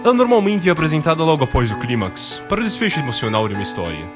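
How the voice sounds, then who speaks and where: Mock-solemn male narrator, lively intonation. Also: on the high side, racing. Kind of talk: scripted radio play narration. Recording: music clearly behind the voice.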